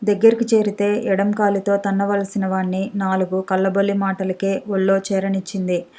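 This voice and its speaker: A woman narrating a story as an audiobook reader, at a steady, measured pace. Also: mid-range voice. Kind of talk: scripted narration.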